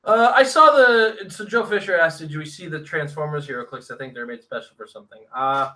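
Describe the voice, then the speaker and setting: On a casual podcast chat, a male co-host tells easygoing stories about gaming. His voice is a little high and bright with a forceful tone, and he talks a little fast.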